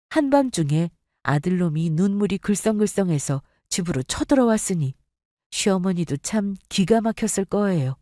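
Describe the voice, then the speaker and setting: Low, dark-toned woman narrating. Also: dry recording, clean studio sound. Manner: spiteful, mocking storytelling. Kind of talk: scripted story narration.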